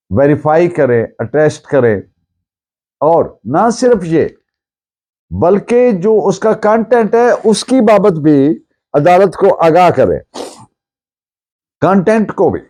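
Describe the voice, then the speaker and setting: A man with a Pakistani accent lecturing as a law teacher, explaining deliberately and often rephrasing his points. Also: fairly high pitch, mellow. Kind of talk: lecture mixing Urdu with English legal terms.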